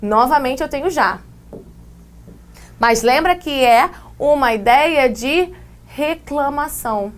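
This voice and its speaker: A woman with a bright, high voice and a Brazilian Portuguese accent teaches an English grammar lesson to camera. She explains in a lively, chatty way and drops in playful asides. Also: slow pace, long pauses. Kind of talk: classroom video lesson.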